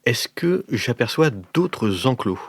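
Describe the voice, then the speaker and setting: A man plays an improvised tabletop game with dry, deadpan humour. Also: medium pitch, slow, no echo. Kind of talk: improvised role-playing banter.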